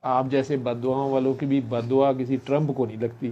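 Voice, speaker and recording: A host, joking and teasing in relaxed conversation. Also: medium pitch, normal speed, muffled recording. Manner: joking, teasing, frequent listening hums. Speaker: host, healer. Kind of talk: casual conversation.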